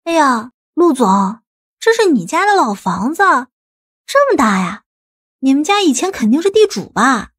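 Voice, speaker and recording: A woman playing a chatty, easily impressed young woman who exclaims brightly in an audiobook drama. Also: sits high, very animated, moderate pace, dry recording, clean studio sound. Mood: amazed. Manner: exclaiming, bubbly.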